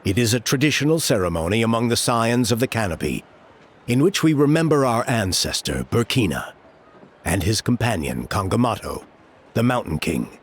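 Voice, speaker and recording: An actor playing a stern, protective middle-aged tribal elder and father in a game, with a measured, formal way of speaking. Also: medium pitch, very animated. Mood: solemn.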